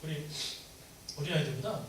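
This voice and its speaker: A man's voice: a little high, brisk, slight background noise. A man preaching a sermon to a congregation, asking them questions and acting out prayers in a raised voice. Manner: conversational preaching with call-and-response questions; acts out quoted prayers in raised voice. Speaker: pastor. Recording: echoey room from a distance with faint ambience.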